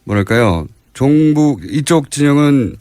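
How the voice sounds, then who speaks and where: A man hosting a radio current-affairs interview, teasing and prodding his guest with quick short replies, on a studio mic. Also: medium pitch, lively intonation, a little mellow, clean tone, no echo. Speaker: radio show host.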